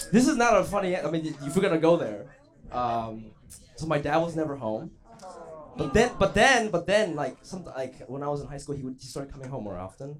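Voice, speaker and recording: A man talks at a fairly quick pace in a fairly high voice, his pitch swinging very widely. His loudness rises and falls a lot, and there is noticeable background noise. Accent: American. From Columbus, Ohio. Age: 30s. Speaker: blind date contestant. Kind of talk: casual chat on stage. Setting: live stage with audience.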